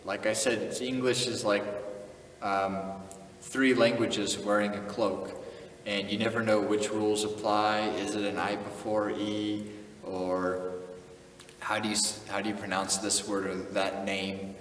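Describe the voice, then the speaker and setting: On his video channel, a young man from the US talks in a relaxed vlog style, laughing frequently and dropping in bits of Afrikaans. He speaks unhurriedly at a fairly low, steady pitch, his tone fairly bright. The distant mic picks him up off-axis, with room echo and slight background noise.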